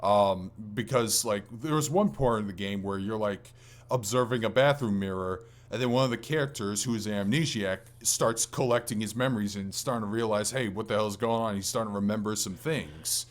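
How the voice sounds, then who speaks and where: A man co-hosting a podcast, chatting casually about video games in a rambling, halting way that often restarts. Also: lowish voice. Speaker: podcast co-host.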